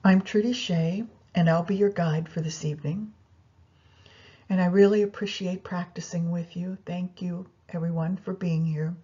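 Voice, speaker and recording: A woman leading a guided yoga nidra meditation, giving unhurried instructions directly to the listener. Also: on the low side, steady tone, mellow, husky, dull audio.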